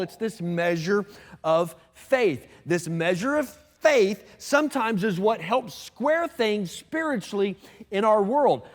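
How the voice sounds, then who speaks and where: A man preaching a sermon as pastor, talking fast and conversationally with asides to the congregation. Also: sits high. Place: church sanctuary. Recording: long church hall reverb.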